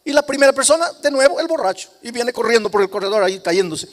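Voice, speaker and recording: Storytelling preacher in a big echoing hall. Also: male voice, very high-pitched, lively intonation, fast talker. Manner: storytelling preacher, dropping to hushed tones. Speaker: pastor. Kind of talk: sermon. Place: large coliseum hall. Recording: long reverb of a large hall.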